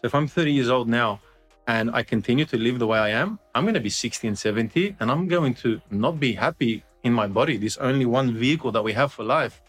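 Man in his forties, earnest guest, mid pitch, soft music underneath. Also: quick pace. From Australia. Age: 40s. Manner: earnest, many restarts and fillers. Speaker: guest, company founder. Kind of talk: casual interview chat.

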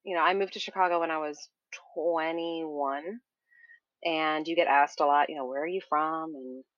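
A woman's voice: deep voice, steady tone, moderate pace, fairly bright tone, no echo, lo-fi sound. A woman from Texas who works as a doula and strength coach, talking casually as a guest with many restarts. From Texas, Houston area. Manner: rambling, with many restarts and "you know". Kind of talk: casual interview chat.

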